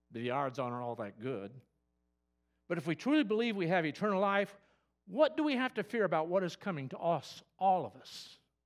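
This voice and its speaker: With a Midwestern US accent, a man speaks at a fairly quick pace in a high voice that makes very wide pitch swings, on a very clean recording with a silent background. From Indiana, Kokomo. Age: 70s. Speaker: pastor. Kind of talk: sermon.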